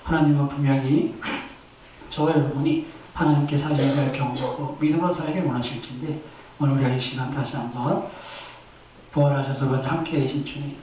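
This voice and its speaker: A man's voice: medium pitch, steady tone, brisk, warm tone, slight background noise. A male pastor delivering a Sunday sermon in a church, telling stories animatedly and exhorting the congregation. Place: church sanctuary. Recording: echoey church hall, distant mic.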